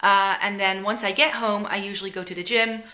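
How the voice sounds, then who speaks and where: A woman's voice: mid-range voice, fairly even intonation, brisk, sharp tone. A young Dutch woman with a mixed Dutch and American accent, chatting casually to camera in her living room, rambling with plenty of fillers. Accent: Dutch with some American. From Netherlands. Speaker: beauty vlogger. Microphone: camera in front at close range.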